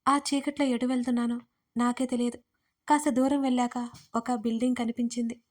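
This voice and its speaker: A woman author narrating her own first-person audio story in a steady, scripted storytelling delivery. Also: on the high side, fairly quick.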